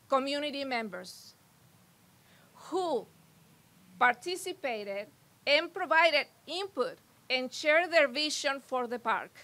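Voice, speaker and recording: Bright, high Mexican-accented woman speaker. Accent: Mexican Spanish. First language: Spanish. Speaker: community development speaker. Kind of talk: formal prepared speech. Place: outdoor park ceremony.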